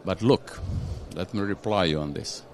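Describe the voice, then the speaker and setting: Guy, very deep voice, exec being interviewed, stop-start talk with lots of "yeah?". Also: a little hiss or hum. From Croatia. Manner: halting, restarts phrases, tags with "yeah?". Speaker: industry executive guest. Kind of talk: conversational interview.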